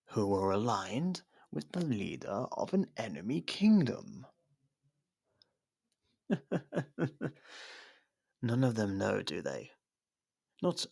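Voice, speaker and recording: Man playing a low, creaky-voiced proud captive monarch. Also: a bit bright, exaggerated voice. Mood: mocking, triumphant. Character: captured royal monarch, proud, defiant former mercenary. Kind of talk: ASMR roleplay voice acting.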